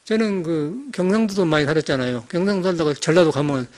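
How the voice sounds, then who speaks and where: Fast-talking high-voiced monk. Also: male voice, a little mellow. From Jeolla, South Korea. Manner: rambling, emphatic, conversational. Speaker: Buddhist monk. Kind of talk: dharma talk sermon.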